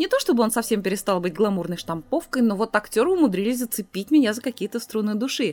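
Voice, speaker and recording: This woman has a fairly high pitch. Her voice moves through very wide pitch swings. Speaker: podcast co-host. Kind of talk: casual chat.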